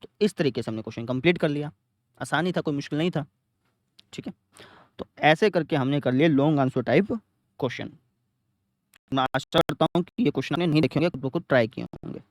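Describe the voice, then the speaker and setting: A man's voice: on the high side, fairly quick, pauses often, no room sound, studio quality. A young man teaching a math lesson, repeating each step and answering his own questions, with a north Indian Hindi accent. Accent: Hindi-speaking north India. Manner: repetitive, explains step by step, asks questions and answers himself.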